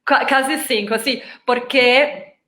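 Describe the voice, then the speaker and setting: A woman's voice: high voice, a little slow, fairly bright tone. A woman hosting an interview, carefully repeating and restating her guest's answers. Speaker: interviewer, host. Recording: echoey room.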